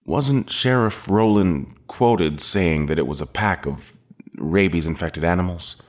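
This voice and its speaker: A composed horror writer in an audio drama interview. His voice is deep, his delivery measured and pedantic, with a slightly superior air. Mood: guarded. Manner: measured, precise, faintly superior. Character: composed, pedantic male horror novelist under questioning.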